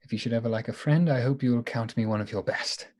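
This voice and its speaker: An actor playing an earnest, melancholy, lovesick gentleman doctor in a radio play, formal and hesitant. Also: medium pitch, fast talker, lightly acted. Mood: nervous pleading.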